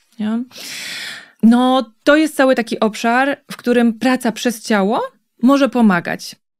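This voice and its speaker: A woman speaks at a very slow pace in a high voice with fairly even intonation. The recording is very clean, with a silent background. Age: 30s. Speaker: body-awareness and movement trainer. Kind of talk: casual interview.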